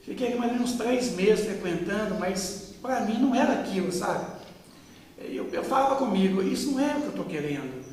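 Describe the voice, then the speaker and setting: A man's voice: high voice, lively intonation, a little mellow, slight background noise. Older-sounding man recalling, echoey distant mic. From Brazil. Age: 50s. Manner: unhurried, with many pauses and fillers. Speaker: interviewee. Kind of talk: reminiscing oral-history interview. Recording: echoey room, mic far off.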